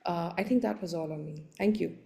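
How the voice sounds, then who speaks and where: Indian woman whose first language is hindi doing a conference talk, soft mellow tone, halting, repeats words a lot. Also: fairly low pitch, gravelly. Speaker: panelist giving a slide presentation. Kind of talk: conference presentation, explanatory.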